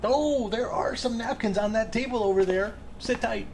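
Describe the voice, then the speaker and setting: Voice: mid-range voice, normal speed, close to an everyday voice. An actor in an audio drama playing a chatty, self-righteous serial killer who believes angels guide the work, with a breezy, casual manner. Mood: casual, probing. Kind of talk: full-cast audio drama acting. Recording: faint background noise and ambience.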